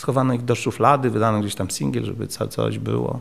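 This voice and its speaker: A man speaks with noticeable vocal fry. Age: 50s. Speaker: musician. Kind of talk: interview.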